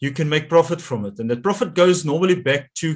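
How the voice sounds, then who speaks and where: A man with a South African accent speaks at a fairly quick pace in a somewhat breathy voice. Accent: South African (Afrikaans) English. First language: Afrikaans. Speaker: wildlife researcher. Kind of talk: online presentation and Q&A. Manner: halting.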